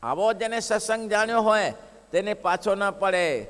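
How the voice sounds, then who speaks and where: A man's voice: high-pitched, lively intonation, normal speed, a bit bright. A male preacher telling a devotional story in an emphatic style, repeating phrases and asking rhetorical questions. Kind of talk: sermon storytelling. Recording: long hall reverb.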